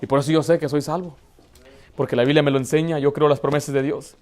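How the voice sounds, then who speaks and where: A man's voice: a little high, fairly even intonation, quick pace, darkish tone. A male pastor delivering a Baptist sermon in a church, conversational and emphatic, full of rhetorical questions.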